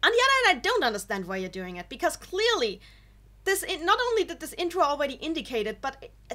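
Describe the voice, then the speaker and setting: A woman with a non-native accent speaks in a raised, projected voice. Her tone is bright and sharp, with very wide pitch swings. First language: not English. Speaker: video reaction commentator. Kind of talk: reaction commentary. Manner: halting.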